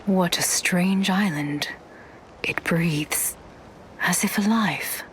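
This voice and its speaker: An actress playing a solemn, solitary guardian of nature in a video game, speaking in plain, formal phrases. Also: female voice, lowish voice, slow, slight background noise, low-quality recording. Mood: wary, solemn. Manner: plain, uncontracted formal speech.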